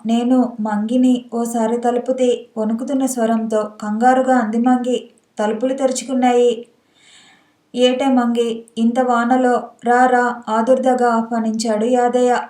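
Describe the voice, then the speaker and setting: A woman narrating an audiobook story in a calm, measured reading, recorded in an echoey room. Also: on the high side.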